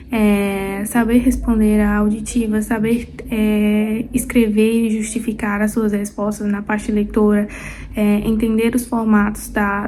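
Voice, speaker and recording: Mellow, level-toned Brazilian woman tutor. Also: on the high side, slight background noise. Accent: Brazilian Portuguese. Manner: chatty, loose, with frequent hesitation fillers and restarts. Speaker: Spanish exam tutor and course creator. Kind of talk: casual explanatory talk to camera.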